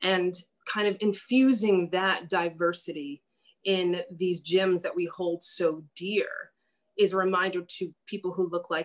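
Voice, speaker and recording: Here a woman speaks at a fairly slow pace. Her intonation stays fairly even. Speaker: stage actress guest. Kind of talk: interview answer. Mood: warm, heartfelt storytelling. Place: home room. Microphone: video call.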